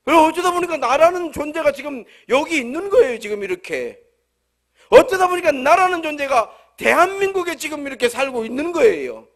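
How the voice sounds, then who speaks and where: A man's voice: very high-pitched, expressive, brisk, a bit bright. A male pastor with a Jeolla accent, delivering a humorous, conversational sermon full of rhetorical questions at a church service. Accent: Jeolla Korean.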